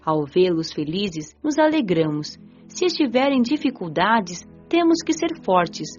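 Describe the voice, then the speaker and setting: A Brazilian woman playing a compassionate young female spirit, narrating an audiobook in the first person in an earnest, reflective way. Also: on the high side. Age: young adult. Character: Patrícia, reflective, compassionate nineteen-year-old female spirit. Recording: dull lo-fi audio with music behind. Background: music.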